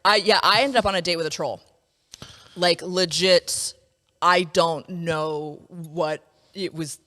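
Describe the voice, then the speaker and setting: A woman's voice: on the low side, slow, bright, forceful tone, in a large hall. Blunt, swearing woman in her forties. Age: 40s. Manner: blunt, profane storytelling. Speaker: podcast host. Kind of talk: casual chat.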